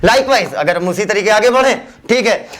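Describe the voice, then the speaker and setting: A man's voice: sits high, expressive, moderate pace, fairly bright tone. A man teaching a biology class in a chatty, teasing manner. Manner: chatty, teasing, addresses students as beta. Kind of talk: classroom lecture.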